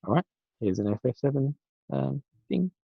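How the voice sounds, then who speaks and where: A hoarse man with a sore throat, chatting casually in a rambling, self-correcting way. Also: medium pitch, expressive, moderate pace, no room sound. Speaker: podcast guest segment presenter. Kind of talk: casual pre-recorded segment. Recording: dull lo-fi dry recording.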